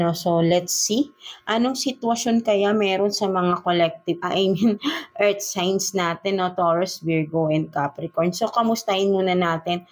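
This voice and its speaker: A tarot reader with a Filipino accent gives a casual reading in Taglish, speaking slowly and chattily with lots of fillers and frequent "no?" and "right?" tags. Her voice is lowish with a darkish tone.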